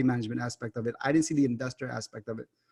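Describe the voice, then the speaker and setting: Speaking at a very fast pace, this man has a slight Indian accent. His words come quickly throughout. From United States. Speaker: real estate investor. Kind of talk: interview. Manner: halting.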